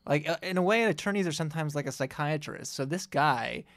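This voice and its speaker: A man co-hosts a talk show in a relaxed, loose style, filling his sentences with "like". His voice has a gravelly creak to it. The recording is dry and close. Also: a little high, fairly quick, dry recording. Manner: casual, heavy use of "like" fillers. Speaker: podcast co-host. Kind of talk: casual legal news discussion.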